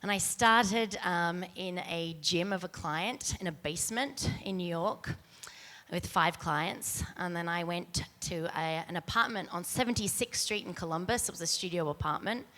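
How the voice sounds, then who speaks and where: A soft-spoken woman with an Australian accent speaks as a panelist. Her voice sits low and gentle. She talks into a handheld mic in a large tent, picked up by a camera out in the crowd. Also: normal speed. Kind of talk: panel talk. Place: large tent stage before an audience. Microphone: handheld mic, far camera.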